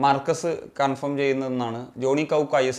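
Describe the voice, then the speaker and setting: The speaker is a man with a medium pitch. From Kerala, India. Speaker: football YouTuber. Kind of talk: casual monologue. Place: studio. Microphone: lapel.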